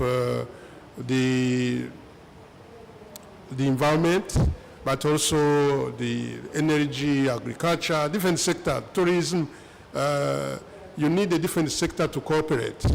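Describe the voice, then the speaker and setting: A man from the African Great Lakes region answering a panel question, speaking haltingly with many fillers and restarts. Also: on the high side, gravelly, slight background noise. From East Africa, Great Lakes region.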